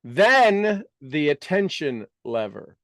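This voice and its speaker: Higher-pitched man giving an emphatic coaching talk. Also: very animated, slow pace, a bit bright, no room sound. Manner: rhetorical questions, repeats phrases for emphasis. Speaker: business coach and speaker. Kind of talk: motivational business talk.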